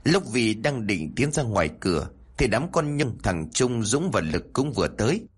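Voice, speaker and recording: A man narrating a spooky audio story with a lively, dramatic telling. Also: lowish voice, moderate pace, husky.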